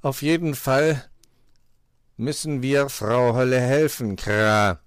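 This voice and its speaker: A man's voice: medium pitch, clean tone, no echo, clean studio sound, voice pushed up, close to an everyday voice. Man doing a sensible, cawing storybook black bird. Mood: resolute. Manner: measured, caws between phrases.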